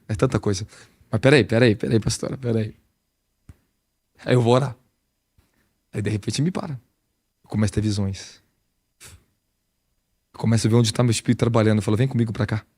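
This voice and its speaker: A man preaching a sermon as an apostle, animated and conversational, with a Brazilian Portuguese accent and frequent rhetorical questions. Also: medium pitch.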